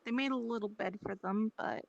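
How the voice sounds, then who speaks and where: A woman playing a timid, curious newcomer in improvised roleplay, speaking tentatively and haltingly on a lo-fi mic. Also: mid-range voice, lightly acted. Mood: tentative, caring. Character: timid, curious lab-raised newcomer attached to pet mushrooms. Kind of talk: improvised in-character virtual-world roleplay chat.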